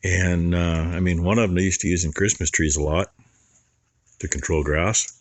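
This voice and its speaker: A man's voice: deep voice, fairly even intonation, normal speed, no room sound. A man who farms, talking casually and plainly in a folksy, rambling way while filming outdoors. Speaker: farmer vlogger. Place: outdoors on a farm near a barn.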